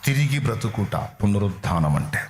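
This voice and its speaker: A man's voice: on the low side, very animated, normal speed, a little mellow, slight background noise. A male pastor preaching a sermon in a dramatic storytelling manner, acting out dialogue. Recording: roomy echo. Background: faint music.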